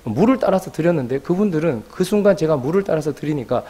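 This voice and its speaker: Husky, animated Korean pastor preaching. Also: male voice, on the high side, quick pace. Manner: animated, acts out quoted voices. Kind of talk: sermon with storytelling.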